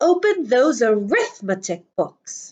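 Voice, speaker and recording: A woman in a put-on character voice, pitched high, swings her pitch very widely, with hissing in the sound. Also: fairly slow pace. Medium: read story. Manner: snapping, menacing.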